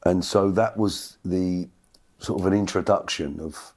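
Middle-aged man, lowish voice, rambling storyteller who repeats himself. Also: fairly even intonation, a little slow, darkish tone. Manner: rambling, repeats words, acts out voices in quotes. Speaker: guest. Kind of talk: casual storytelling.

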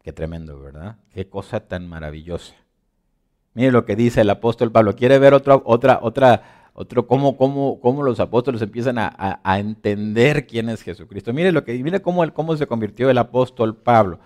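A man delivering a sermon in a conversational way, leaning on rhetorical questions. He switches between loud emphatic bursts and soft, low asides, and he often restarts his phrases and repeats words. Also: a little fast. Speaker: preacher.

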